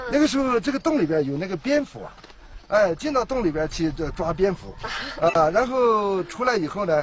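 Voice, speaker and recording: Over noticeable background noise, a man speaks at a high pitch with very wide pitch swings, in a dry sound with no echo. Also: moderate pace. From Yunnan, southwest China. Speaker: local historian; guest. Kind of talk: casual interview. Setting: outdoors. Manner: halting. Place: open country.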